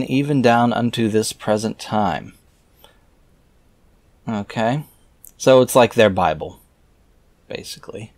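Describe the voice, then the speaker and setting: A man's voice: medium pitch, no echo. Wry man reading aloud, close and dry. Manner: wry, skeptical asides. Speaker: reader and commentator. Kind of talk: reading scripture aloud with offhand commentary.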